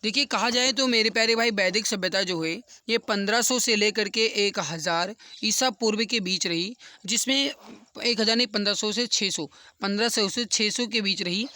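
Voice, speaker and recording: A man's voice: high-pitched, pushed and bright, no echo. A man explaining quiz questions as an exam coaching teacher, repeating key answers for emphasis.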